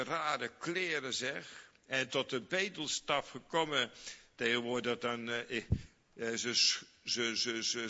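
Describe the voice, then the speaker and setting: A man preaching a sermon slowly and emphatically, repeating phrases and swinging from loud high outbursts to quiet low asides. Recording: dull lo-fi recording in a reverberant hall.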